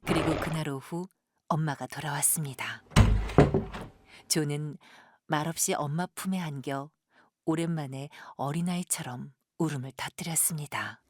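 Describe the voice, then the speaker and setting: A woman narrating a scripted audio drama with gentle, measured storytelling and a breathy voice. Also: deep voice, very noisy.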